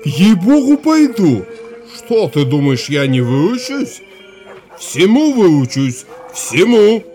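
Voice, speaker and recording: A tipsy, eager Cossack. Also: male voice, high-pitched, sing-song, slow pace, warm tone, faint music behind, heavily acted. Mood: tipsy insistent. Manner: insistent, tipsy pleading. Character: drunk curious young Cossack, eager to study.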